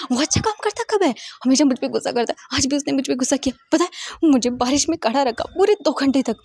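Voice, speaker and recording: A woman's voice: high voice, expressive, a little mellow, no room sound, studio quality, voice pushed up. A woman voicing an emotional, pregnant young man who sulks, teases and breaks into tears, in a storybook reading. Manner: whiny, teasing, quick to tears.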